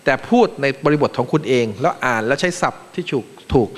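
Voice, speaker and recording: A Thai man from Thailand, a panel speaker giving a joking, animated seminar talk in a large conference room. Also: mid-range voice, fast. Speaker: panel speaker, acting vice president. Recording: long reverb of a large hall.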